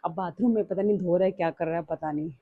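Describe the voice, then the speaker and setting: A woman's voice: fairly low pitch, steady tone, fast talker, phone-quality sound. A young woman narrating a casual home vlog to her viewers, chatty and laughing often. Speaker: family vlogger. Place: home kitchen and house. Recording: noisy home phone recording.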